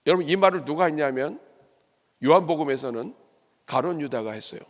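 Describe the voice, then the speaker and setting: A man's voice: on the high side, brisk. A male pastor preaching a sermon to his congregation, asking them questions and acting out the complaints of others. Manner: lively, asks the congregation questions and acts out complaints. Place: church sanctuary. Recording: long church hall reverb.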